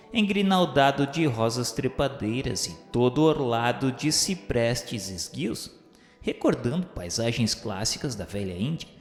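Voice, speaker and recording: Male narrator, Brazilian, measured and literary radio storytelling, heavy echo over a music bed. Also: medium pitch. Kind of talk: scripted dramatic radio narration. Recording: echoey hall reverb under music.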